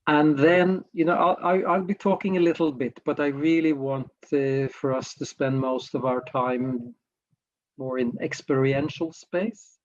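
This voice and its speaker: A man's voice: on the high side, steady tone, measured pace, muffled recording. A man from Norway, leading a workshop in a reflective, hesitant way and often searching for words. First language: Norwegian. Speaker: workshop facilitator. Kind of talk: slow reflective workshop talk.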